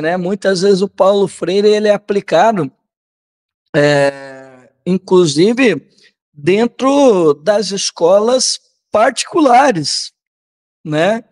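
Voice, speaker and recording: A Brazilian man hosting political commentary, reading aloud and commenting in a halting, conversational way that often seeks the listener's agreement. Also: sits high. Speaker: host of a political commentary channel.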